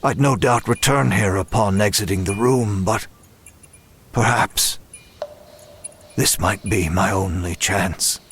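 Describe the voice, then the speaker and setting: Slow, grave, weary man narrating horror. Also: lowish voice, a bit bright, slight background noise. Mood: grim, resigned. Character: weary tormented man, narrating his ordeal in horror tale. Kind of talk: dramatic scripted horror narration.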